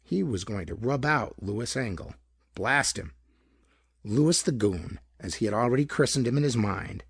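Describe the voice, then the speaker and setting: A male narrator reads hardboiled pulp detective fiction. His voice is husky and moves widely in pitch, recorded very dry and close. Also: animated, normal speed, no echo. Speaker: audiobook narrator.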